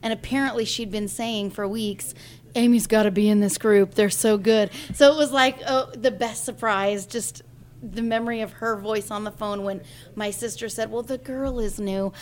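This singer in her forties has a medium-pitched voice and speaks at a normal speed. Recounting something from her own life in an interview, she brings the story to life by performing the voices of those she quotes.

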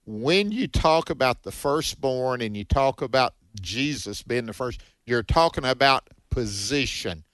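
A man's voice: mid-range voice, lively intonation, a little slow, hardly any pauses, a bit bright, dry recording. Folksy male radio Bible co-host, dry studio. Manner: folksy, affectionate, calls people brother. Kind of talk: call-in radio Bible talk.

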